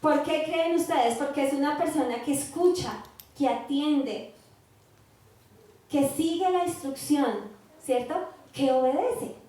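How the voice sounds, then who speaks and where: A woman pastor with a Colombian accent preaches in a high voice, taking her time over each phrase. She teaches by turning to her congregation again and again for agreement. The sound rings with a heavy church-hall echo. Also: slow pace, warm tone. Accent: Colombian Spanish. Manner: teaching, asks the congregation "¿cierto?" often. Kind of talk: sermon.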